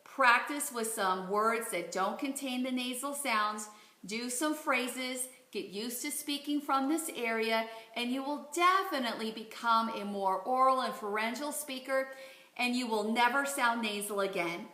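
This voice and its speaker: A woman speech coach teaching a video lesson, demonstrating practice words slowly and clearly. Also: fairly high pitch, sharp tone, roomy sound.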